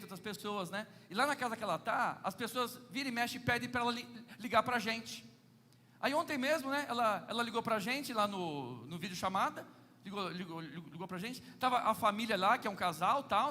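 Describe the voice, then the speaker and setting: High-voiced Brazilian pastor in a reverberant church. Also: male voice, bright, forceful tone. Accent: Brazilian Portuguese. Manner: playful anecdotal preaching, often addressing the congregation. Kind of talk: sermon.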